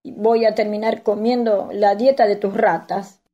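A woman playing a feisty older grandmother, firm and sharp-tongued, with a Rioplatense Spanish accent. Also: medium pitch, fairly even intonation, moderate pace, muffled recording, lightly acted.

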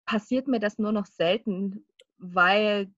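On a relaxed podcast, a singer and children's author in her thirties, a native German speaker, chats away as a guest, laughing often and using plenty of fillers. Her medium-pitched voice is slow and a bit bright, and the dry recording has its highs cut off.

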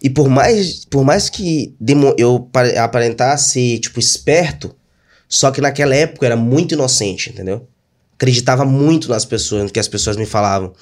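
A man with a Brazilian accent, a guest in an interview, telling a personal story in an animated way with lots of fillers. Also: mid-range voice, moderate pace.

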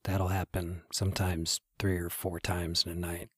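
A man performing as a wry, measured storyteller, giving literary narration of small-town lives in an audio drama podcast. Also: deep voice, completely flat delivery, a bit bright, husky, studio quality. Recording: roomy, faint music behind.

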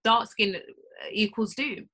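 Emphatic bright-voiced woman host. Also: fairly high pitch, unhurried, husky. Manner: emphatic, frequent agreeing interjections. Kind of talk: casual chat.

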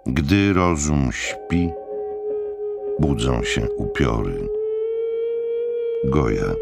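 A man giving a dramatic literary narration for an audiobook, solemn and measured. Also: a bass voice, gravelly.

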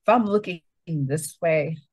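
Halting man with a husky voice. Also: on the high side, dry recording, lo-fi sound. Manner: halting, repeats himself. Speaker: podcast co-host. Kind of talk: casual show chat. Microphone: desk setup with monitor.

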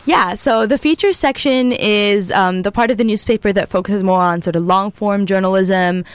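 A woman of about twenty, from Egypt and raised in Abu Dhabi, talking casually as a student guest in a radio interview, relaxed and upbeat with frequent ums. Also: mid-range voice, moderate pace, smooth, no echo.

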